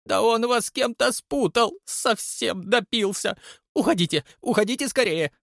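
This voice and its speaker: A man voicing an elderly, frightened woman concierge who gossips and complains in a hushed, fretful way. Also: on the high side, expressive, normal speed, dry recording, clean studio sound, pitched above the performer's own voice. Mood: alarmed. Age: older.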